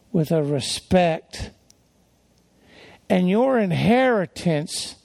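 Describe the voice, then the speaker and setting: Soft-spoken, very gravelly man preaching. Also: high voice, dry recording. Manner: soft-spoken, folksy and rambling. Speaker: pastor. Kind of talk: conversational sermon with personal stories.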